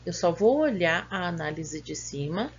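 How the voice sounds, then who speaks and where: A woman's voice: on the low side, big pitch swings, normal speed. A Brazilian woman teacher giving a remote grammar lesson, patiently asking and answering her own questions. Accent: Brazilian Portuguese. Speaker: school teacher. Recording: dull lo-fi audio with faint hum.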